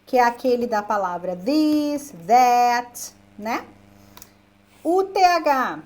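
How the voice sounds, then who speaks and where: A young woman with a Brazilian Portuguese accent teaching an English pronunciation lesson, emphatic and lively, repeating words for drilling. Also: fairly high pitch, takes it slowly.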